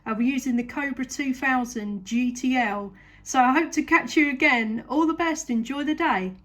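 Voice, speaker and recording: A woman's voice: high-pitched, normal speed, a bit bright. A woman with a southern English accent chatting casually as a CB radio operator, polite and full of thanks. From England. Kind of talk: casual radio contact chat.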